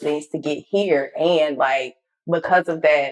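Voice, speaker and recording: A woman talks with a North Carolina accent. Her pitch varies in an ordinary way. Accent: North Carolina, noticeable. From eastern North Carolina (Kinston). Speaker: filmmaker. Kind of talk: casual chat.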